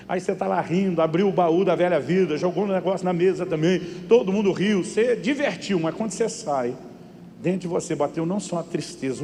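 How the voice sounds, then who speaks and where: A man's voice: sits high, dark tone, big-room sound. A middle-aged Brazilian man preaching a sermon as a pastor, telling stories and acting out conversations with emphatic peaks. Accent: Brazilian Portuguese. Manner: storytelling, acts out dialogue, rising to emphatic peaks.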